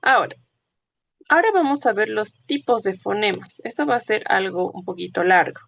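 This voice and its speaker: A woman's voice: mid-range voice, expressive, normal speed, gravelly, fairly bright tone. Patient woman teaching a class. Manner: patient, explanatory, checks understanding often. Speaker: language teacher. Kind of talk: classroom lecture.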